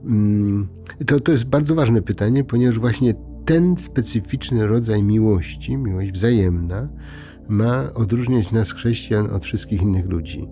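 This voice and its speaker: Gravelly, mellow-voiced priest musing at bedtime. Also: male voice, on the low side, faint music behind. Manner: unhurried, conversational, many hesitations and restarts. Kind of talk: informal bedtime reflection.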